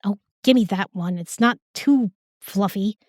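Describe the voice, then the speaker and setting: A woman's voice: mid-range voice, unhurried, darkish tone, no echo, clean studio sound, lightly acted. A woman playing a sassy, irreverent young modern woman in a fantasy audio drama, wry and chatty. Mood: bossy, teasing.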